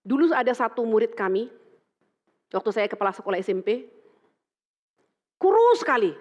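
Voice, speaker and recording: Animated woman preacher in a reverberant hall. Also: a little high, normal speed. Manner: animated, acts out dialogue in quoted voices. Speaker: pastor. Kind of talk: sermon with storytelling. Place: church hall. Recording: dull sound with long church reverb.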